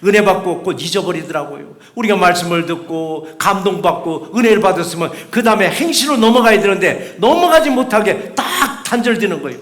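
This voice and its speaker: A man's voice: sits high, animated, brisk, few pauses, fairly bright tone, echoey room. A male pastor preaching a sermon in church, asking the congregation rhetorical questions and acting out quoted voices. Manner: acts out quoted voices in dialogue. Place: church sanctuary.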